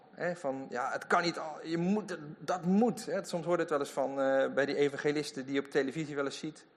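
A man preaching a lively sermon in a church, full of emphatic asides. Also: on the high side. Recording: long hall reverb.

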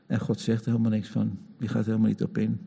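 Man, sermon, gravelly husky voice, long hall reverb. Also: lowish voice, monotone, fast talker, warm tone. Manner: conversational, chuckling, acts out quoted complaints. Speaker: preacher.

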